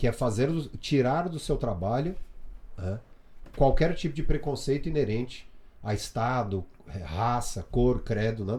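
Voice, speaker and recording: Pausing long and often, a man of medium pitch speaks at a fairly slow pace in a dark, mellow, somewhat breathy tone with lively intonation. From Brazil, Goiânia (Goiás). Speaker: Portuguese language expert and writer. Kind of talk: podcast interview.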